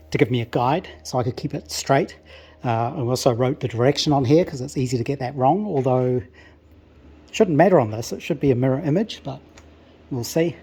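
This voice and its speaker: A slightly hoarse, somewhat breathless man explaining his car restoration work in a home workshop, in a relaxed way with many pauses and restarts. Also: mid-range voice. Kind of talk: casual workshop walkthrough.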